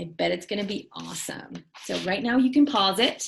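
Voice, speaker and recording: At a moderate pace, a woman speaks with vocal fry. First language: Spanish. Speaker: teaching artist. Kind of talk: tutorial for children.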